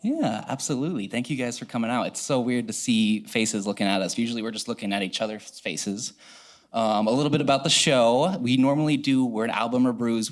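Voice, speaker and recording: A man co-hosting a live podcast in front of an audience, casual and joking. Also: mid-range voice. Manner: casual, jokey. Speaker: podcast co-host. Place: live event space with audience.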